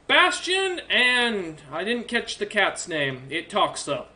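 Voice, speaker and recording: A jittery, fawning servant stumbles over his words in a high, bright voice, as a man puts him on. He sounds eager to please and nervous, and his voice pitches well above a normal speaking level. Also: wildly swooping pitch, takes it slowly, exaggerated voice. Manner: obsequious, stumbling.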